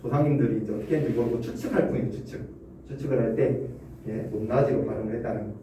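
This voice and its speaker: A man's voice: medium pitch, rapid-fire, mellow. A male Korean language teacher giving a classroom lecture, asking students questions and chuckling often. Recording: roomy classroom echo, distant mic, faint hum.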